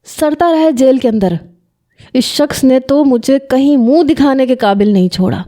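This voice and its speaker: A woman's voice: sits high, dark tone, pitched above the performer's own voice, natural voice. A woman voicing a stern, furious older uncle in an audio story, angry and harsh.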